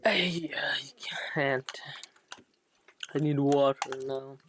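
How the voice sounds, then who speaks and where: Low-voiced woman streaming a game. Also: steady tone, extremely slow, a little hiss or hum. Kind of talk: casual live-stream commentary, reading game text aloud.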